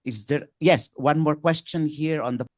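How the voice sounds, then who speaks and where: A man from the Philippines with a Filipino accent, whose first language is Ilocano, moderating a conference panel and talking haltingly with many fillers and restarts. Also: fairly high pitch, a little mellow, no room sound, studio quality.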